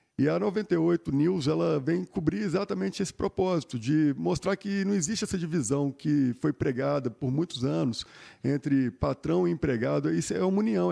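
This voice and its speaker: This man talks at a fairly quick pace with hardly any pauses, his fairly high voice swinging very widely in pitch at very even loudness, with a dark, mellow tone and a dry, close sound with no echo over a quiet background. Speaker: radio network executive. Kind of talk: radio interview.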